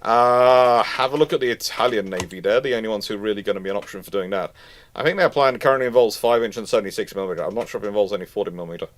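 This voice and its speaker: A British man with a fairly low voice talks at a racing pace while hosting a live question-and-answer stream. His expert commentary is informal, discursive and opinionated, and he comes back to the same points repeatedly.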